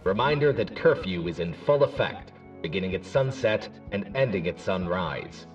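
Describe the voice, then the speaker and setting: An actor playing a stern male town official who reads out curfew orders over an outdoor loudspeaker, formal and commanding. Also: deep voice, expressive, moderate pace, distant mic, muffled recording, faint music behind. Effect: outdoor loudspeaker announcement.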